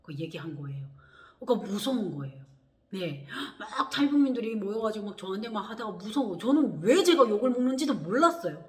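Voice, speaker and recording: A woman from Korea, telling her personal story in a lively way, acting out what others said. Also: medium pitch, a little fast. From North Korea. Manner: animated, acts out quoted voices with gasps and laughs. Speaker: vlogger. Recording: echoey room.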